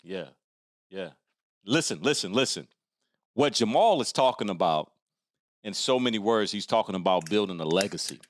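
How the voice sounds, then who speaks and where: A man's voice: fairly low pitch, expressive, normal speed, long pauses, no echo. A man hosting a motivational interview, encouraging and preacherly, building his points through repetition. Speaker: podcast host.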